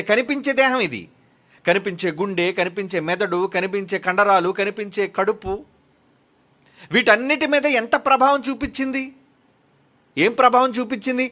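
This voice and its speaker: A man's voice: high-pitched, sharp tone. A man preaching a sermon with a Telugu accent, asking his listeners questions and answering them himself with emphasis. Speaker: pastor.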